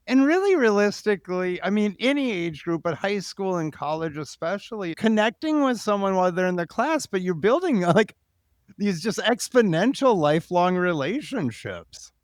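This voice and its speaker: A man's voice: high voice, very animated, moderate pace, dry recording, clean studio sound. A man hosting a podcast, interviewing in a casual way and thinking aloud informally. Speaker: podcast host.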